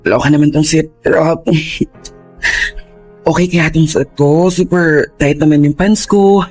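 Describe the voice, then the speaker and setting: A man's voice: on the high side, fairly even intonation, unhurried, darkish tone, faint music behind. Man playing a campy dramatic young gay man. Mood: impatient. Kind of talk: radio drama acting.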